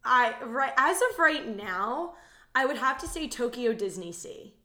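An echoey, roomy recording of a woman in her twenties with a slightly high voice. She talks like a podcast co-host, chatty and informal, with plenty of casual slang. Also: lively intonation, a little slow, pushed and bright. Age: 20s. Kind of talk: casual chat.

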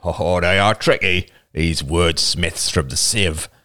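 A man's voice: low-pitched, takes it slowly, sharp tone, pitched below the performer's own voice, heavily acted. A man playing a wary, scornful tribal leader. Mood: sardonic. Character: Roman, scowling, wary male tribal leader.

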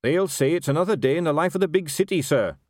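A man's voice: fairly high pitch, sing-song, moderate pace, no echo, studio quality, pitched above the performer's own voice. A man voicing an earnest, polite and honest young watch captain in a story, respectful, firm and a little wooden.

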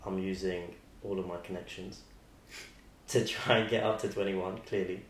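Deep-voiced young man hosting. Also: fairly even intonation, normal speed. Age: 20s. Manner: rambling, friendly, many restarts. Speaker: podcast host. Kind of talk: casual interview chat. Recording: roomy sound with faint noise.

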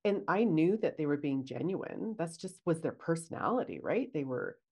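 A woman's voice: deep voice, lively intonation, normal speed, warm tone. A woman co-hosting a casual podcast, chatty and acting out bits of client talk. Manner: chatty, acts out client dialogue. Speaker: podcast co-host, esthetician.

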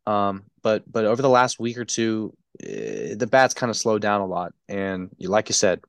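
A congested man co-hosting a sports podcast, talking in a halting way full of restarts and stutters. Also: lowish voice, sing-song, vocal fry, clear, resonant tone, no room sound. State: congested, stuffy. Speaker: podcast co-host. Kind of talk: casual sports chat.

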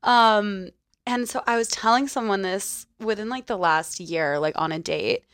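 A young woman co-hosting a podcast, telling stories in animated casual chat and swearing freely, recorded close on a studio mic. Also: medium pitch, a little slow, no echo. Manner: animated storyteller, laughs often, swears casually. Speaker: podcast co-host.

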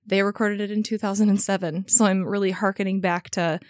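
A woman with a mid-pitched voice co-hosts a friendly podcast. She talks casually and playfully, in a very dry, close recording. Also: fairly even intonation, a little fast, a little mellow, no echo. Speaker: podcast co-host. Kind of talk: casual chat between friends.

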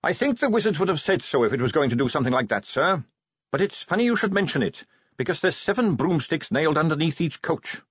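An eager, respectful young captain of the watch, pitched noticeably higher as a man reading the story puts him on. His talk bounces with lively rises and falls, over a husky edge. The recording is dry and a bit dull. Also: fast, no echo. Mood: earnest. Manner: eager, respectful, keeps saying sir. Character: earnest polite young male watch captain. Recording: dry, slightly dull lo-fi sound.

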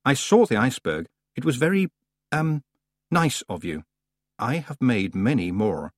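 A man reading an audiobook, voicing a faint, cold male winter spirit who speaks slowly and in a hush. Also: mid-range voice, very animated, no room sound, clean studio sound. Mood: eerie.

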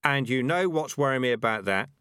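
A man voicing a tough, lean male rat sergeant in a storybook, brisk, wary and commanding. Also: medium pitch, lively intonation, fairly bright tone, clean tone, no echo, studio quality, voice pushed up, natural voice.

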